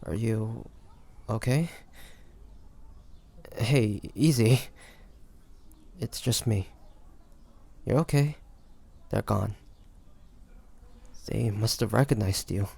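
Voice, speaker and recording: A man acts out a roguish pirate captain for an intimate audio roleplay. His voice sits fairly low, with a heavy gravelly creak, and he takes his time over every phrase. He is smooth-talking and teasing, yet fiercely protective of the one he addresses. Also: very slow, pauses often, darkish tone, exaggerated voice. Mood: concerned, urgent. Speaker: voice actor.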